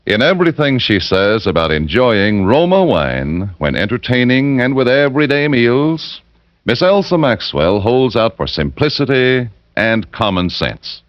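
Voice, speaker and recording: A man's voice: medium pitch, sing-song, measured pace, no echo. A man reading a vintage radio commercial in a bouncy, emphatic selling voice. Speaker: commercial announcer. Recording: dull, dry 1940s radio recording.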